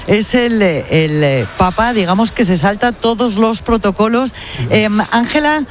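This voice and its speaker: A woman anchoring live radio coverage, chatty and animated, with many restarts as she hands over to reporters. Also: medium pitch, unhurried, slight background noise. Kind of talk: live broadcast commentary.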